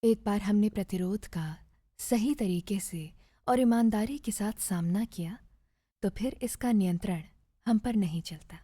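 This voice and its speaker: A woman narrating a guided meditation in a soft, breathy, soothing voice, measured and with gentle pauses. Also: medium pitch, no echo, clean studio sound.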